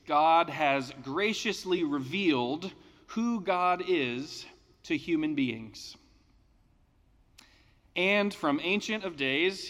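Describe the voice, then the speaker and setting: A male pastor reading scripture and preaching a sermon in a measured, deliberate way, recorded in a church sanctuary. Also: fairly high pitch, a bit bright, long reverb tail.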